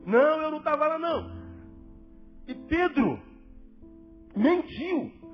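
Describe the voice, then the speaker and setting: Brief: a high-voiced male pastor preaching with dramatic swings in volume, on a dull lo-fi tape. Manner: dramatic, swings between loud emphasis and near-whisper. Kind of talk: sermon. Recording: dull lo-fi with faint music.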